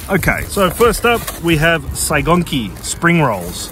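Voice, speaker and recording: Music in the background beneath a man's dry voice with no echo. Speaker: food vlogger. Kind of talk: casual vlog chat. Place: street. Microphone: phone near.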